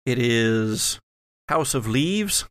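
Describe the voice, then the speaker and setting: A man acting as game master, narrating a tabletop role-playing game in measured phrases with dramatic pauses. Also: medium pitch, animated, a bit bright, smooth, no echo.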